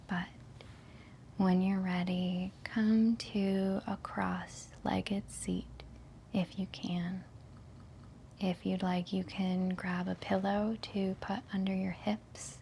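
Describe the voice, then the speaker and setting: A woman leading a guided meditation in a soft, breathy whisper, giving gentle, soothing instructions with long pauses. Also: mid-range voice, a little hiss or hum.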